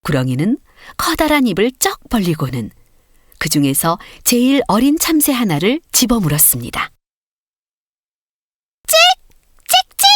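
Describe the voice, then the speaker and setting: A woman reading a storybook as an audiobook narrator, with expressive, clearly paced scripted delivery. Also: medium pitch, normal speed, dry recording, studio quality.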